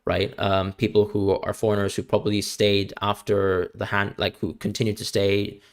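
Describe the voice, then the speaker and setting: A man's voice: fairly low pitch, completely flat delivery, moderate pace, vocal fry. Young man with an international school accent. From Hong Kong. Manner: chatty, repeats words when starting sentences. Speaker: streamer. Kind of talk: live-stream Q&A chat.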